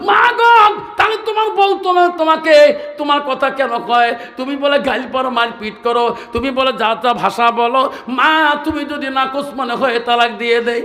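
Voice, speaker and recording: A preacher acting out a husband pleading in high cries. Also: male voice, brisk, roomy sound. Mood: tearful pleading. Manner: tearful pleading, breaking into shouted sung cries. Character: pleading young husband and devoted son.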